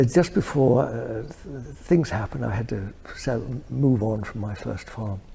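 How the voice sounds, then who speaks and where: The speaker is soft-spoken, with ordinary pitch variation. Noticeable background noise runs underneath. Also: man. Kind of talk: interview answer.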